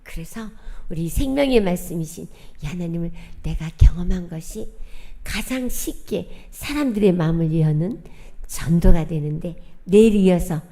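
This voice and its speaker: In a church sanctuary during a worship service, a middle-aged woman shares her personal testimony. Her lowish, mellow voice has lively intonation at a moderate pace, and she tells the story vividly, acting out the dialogue.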